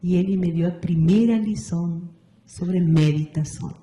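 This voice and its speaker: A woman in her sixties from Argentina with an Argentine Spanish accent, answering interview questions in a measured, thoughtful way and often adding a questioning tag. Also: lowish voice, warm tone, slight background noise. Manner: measured, thoughtful, frequent "não é certo" tag. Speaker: interview guest, meditation teacher. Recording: roomy echo.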